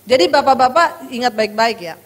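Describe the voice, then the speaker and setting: High-voiced woman preaching in a reverberant hall. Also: expressive, moderate pace. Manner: addresses the congregation as "saudara", emphatic and dramatic. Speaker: pastor. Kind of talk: sermon with personal testimony.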